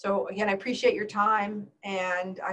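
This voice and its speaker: A woman at a medium pitch. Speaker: accreditation official presenting a webinar. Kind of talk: instructional webinar. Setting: webinar room. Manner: fast.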